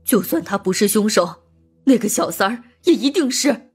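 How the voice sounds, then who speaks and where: A woman playing a bitter, domineering older mother in an audiobook drama, scornful and ranting in a husky voice. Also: mid-range voice, expressive, normal speed, darkish tone, faint music behind. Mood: bitter, accusing. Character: bitter, domineering, sharp-tongued older mother of a murdered daughter.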